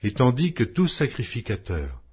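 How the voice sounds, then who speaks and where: A man narrating scripture as a solemn, scripted audiobook reading with measured, declamatory phrasing. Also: mid-range voice, wildly swooping pitch, slightly rough. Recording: dull lo-fi audio.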